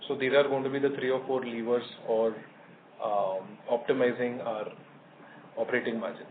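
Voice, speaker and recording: A man's voice: medium pitch, fairly even intonation, moderate pace. Indian man on a noisy phone line. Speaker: company executive answering analysts' questions. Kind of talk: earnings call question and answer.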